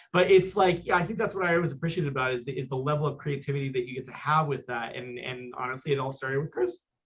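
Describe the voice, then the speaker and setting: A man's fairly high, somewhat breathy voice at a very fast pace, with ordinary pitch variation and hardly any pauses. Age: young. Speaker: media company executive. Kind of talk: interview. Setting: at a film festival.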